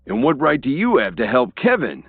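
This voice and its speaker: A man's voice: low-pitched, sing-song, moderate pace, no room sound. A man voicing an arrogant, furious middle-aged man in an audiobook, growling and domineering. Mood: snarling. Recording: dry, tinny phone-like sound.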